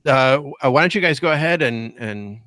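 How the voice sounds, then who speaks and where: Host guy fumbling his questions, lowish voice, dry close sound. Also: animated, a little fast, bright, forceful tone, no room sound. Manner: loose, stumbling prompts. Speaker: podcast host. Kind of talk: casual podcast hosting.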